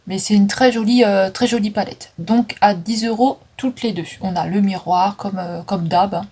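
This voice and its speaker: A woman's voice: mid-range voice, fairly even intonation, moderate pace, warm tone, husky. A woman chatting casually through a makeup declutter, with frequent fillers, stumbling over English names. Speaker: vlogger selling makeup. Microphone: phone.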